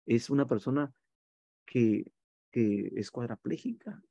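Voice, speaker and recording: Male lecturer on a video call, husky and dry, earnest with plenty of fillers. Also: mid-range voice, slow pace, mellow, no room sound, muffled recording. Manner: earnest, teacherly, with many fillers. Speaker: speaker on evangelism. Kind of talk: lecture on preaching.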